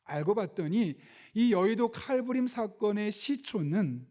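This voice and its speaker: A middle-aged male pastor giving a Sunday sermon, telling a personal story with acted-out quotes and gentle humor. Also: high-pitched, animated, measured pace. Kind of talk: Sunday sermon with announcements and prayer.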